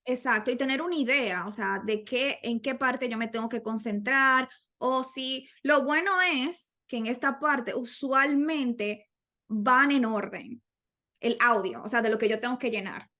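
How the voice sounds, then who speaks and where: A woman's voice: a little high, a little slow, bright, forceful tone. A woman co-hosting a podcast, adding to exam tips in a conversational way and thinking aloud with many fillers and restarts. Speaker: podcast co-host.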